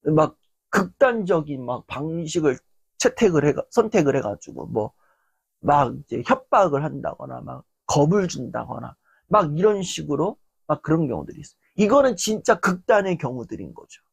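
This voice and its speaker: A man's voice: fairly high pitch, normal speed, gravelly, slightly rough, no echo. A young man giving a casual lecture, talking animatedly and acting out people's reactions. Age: young adult. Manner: animated, acts out quoted reactions.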